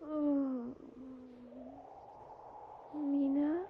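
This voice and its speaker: A woman's voice: high voice, little pitch movement, drawn-out words, full character voice. An actress playing a girlish, delicate young Victorian lady in an audio drama, with an airy manner. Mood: dazed, pleading. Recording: phone-like, faintly noisy audio.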